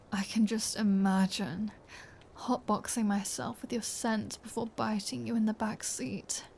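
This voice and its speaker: A woman's voice: medium pitch, darkish tone, slight background noise. A woman voicing a flirty, menacing vampire in an intimate ASMR roleplay, teasing and sardonic, often slipping into a whisper. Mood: wistful, flirty. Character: flirty, menacing female vampire taunting her captive hunter.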